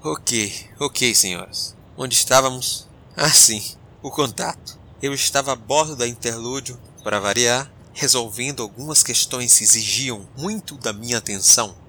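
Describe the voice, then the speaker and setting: Man playing a grumbling spaceship captain over clear noise. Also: mid-range voice, moderate pace, bright, forceful tone. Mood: amused narration. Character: grumbling, food-loving male spaceship captain. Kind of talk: audio drama acting.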